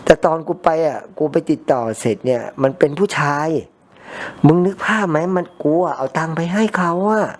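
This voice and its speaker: A man's voice: on the high side, lively intonation, a little fast, slight background noise. A man casually chatting with a customer while cleaning ears, a rambling storyteller with blunt, informal speech. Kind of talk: casual chat during ASMR ear cleaning. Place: ear-cleaning session with a customer.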